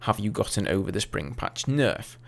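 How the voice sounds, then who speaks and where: A man in his twenties with an English accent, casually answering viewer questions over gameplay footage in a relaxed, chatty way. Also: lowish voice, normal speed, gravelly. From England. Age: 20s. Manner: chatty, relaxed, with fillers and asides. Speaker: gaming YouTuber.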